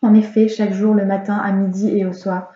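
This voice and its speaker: A woman reads a fairy tale aloud in a calm, measured storytelling manner. Her mellow voice keeps an even line. The recording is roomy and slightly dull. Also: mid-range voice. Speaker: audiobook reader.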